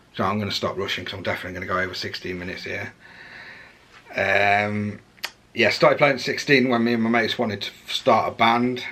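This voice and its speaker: Over noticeable background noise, the speaker moves at a fairly quick pace with fairly even intonation. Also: man. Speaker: drummer and video creator. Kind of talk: casual Q and A vlog. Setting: recording alone to camera. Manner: fast.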